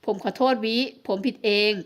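A woman reading a romance audiobook, voicing a young man who quietly admits his fault. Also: normal speed, close to an everyday voice. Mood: apologetic. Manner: quiet, apologetic. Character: remorseful young man, lover. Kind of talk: audiobook romance novel acting.

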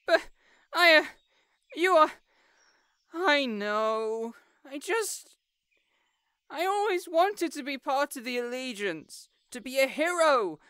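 A man's voice: very high-pitched, animated, slow pace, long pauses, bright, forceful tone, no room sound, studio quality, exaggerated voice. A man voicing an indignant, insecure young superhero in an audio roleplay, whiny, pompous and melodramatic. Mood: wounded, sheepish. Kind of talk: scripted audio roleplay acting.

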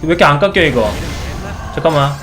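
A man's voice: on the high side, lively intonation, fast talker. A man giving casual mobile game commentary as a streamer, reacting aloud and asking himself questions as he plays. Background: game music.

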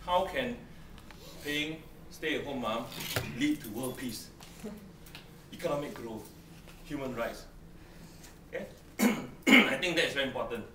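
A middle-aged man teaches a debate class in a large brick seminar room, brisk and teasing, hammering his points home. He is caught by a distant camera, so his voice sounds roomy and set back, with steady room noise behind him. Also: medium pitch. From Singapore. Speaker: debate lecturer. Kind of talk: classroom lecture with questions. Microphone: far camera, no close mic.

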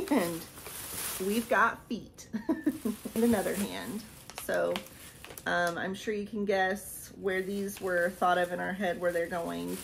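Woman in her thirties, gravelly voice, a little hoarse, chatty and rambling, faint background noise. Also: fairly low pitch, fairly even intonation, slow pace, poor audio. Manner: chatty, rambling, laughs often. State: losing her voice. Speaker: vlogger showing a haul. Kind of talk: casual haul vlog. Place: small decorated room indoors.

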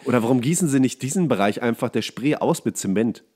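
A man's voice: mid-range voice, lively intonation, fast talker, warm tone. A man with a German accent chatting casually and comedically as a podcast co-host, colloquial and grumbling with coarse humour.

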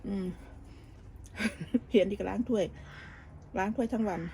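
Cooking at home in a kitchen abroad, this woman gossips about her family in a relaxed vlog, her speech full of restarts and fillers. Her medium-pitched voice is creaky and dark, steady in tone and a little slow, with slight background noise.

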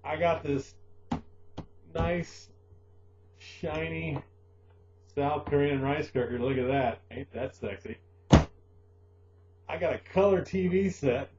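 A middle-aged man hosting a casual news lesson for English learners, joking sarcastically and pausing to explain words. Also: fairly high pitch, reverberant. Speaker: host of an online English lesson show. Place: small room at a desk. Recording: muffled, noisy webcam audio with hum.

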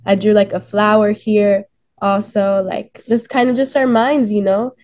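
A woman's voice: medium pitch, level tone, a little slow, darkish tone. A woman casually and tentatively explaining something on a video call, with frequent filler words.

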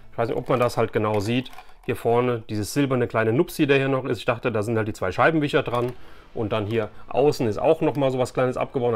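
A man in his forties chatting casually and animatedly to the camera as a host of a collectors' video channel. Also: medium pitch. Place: small furnished room lined with collectible shelves, indoors.

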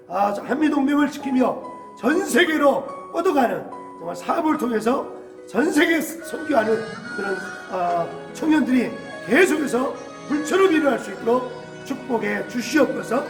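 High-voiced pastor over a PA system. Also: male voice, vocal fry. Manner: preachy, frequent drawn-out "ah" fillers. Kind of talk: church announcement and prayer. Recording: echoey church hall with music.

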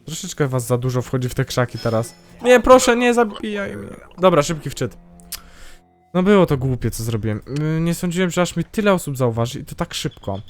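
A man hosts his gaming channel, chatting casually through a let's-play, mocking himself and talking to himself as he plays. His mid-range voice is lively and fairly quick, with faint music behind.

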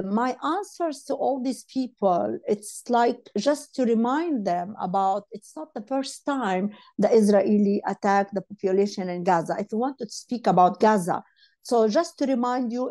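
A woman in her sixties whose first language is Arabic, speaking on an online panel over a video call, halting with many fillers and restarts. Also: medium pitch, dark tone. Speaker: panel speaker, legal advisor. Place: home room. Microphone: earphone headset on video call.

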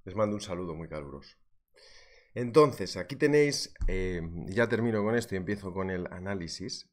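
A man's voice: sits low, animated, normal speed. A man teaching a live trading webinar, joking and chatting as he reads viewer messages. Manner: jokey, chatty, reads viewer chat aloud. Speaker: trading instructor.

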